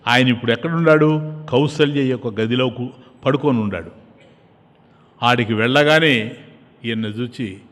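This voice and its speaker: Male preacher, devotional storytelling, animated; long hall reverb. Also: mid-range voice. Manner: animated storytelling, acting out characters.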